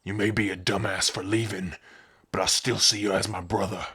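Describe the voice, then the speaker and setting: A man voicing a surly, taunting orc gate guard with a raspy, sneering delivery in an ASMR roleplay. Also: sits low, flat delivery, moderate pace, fairly bright tone. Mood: grudging, warning. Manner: sneering, blunt.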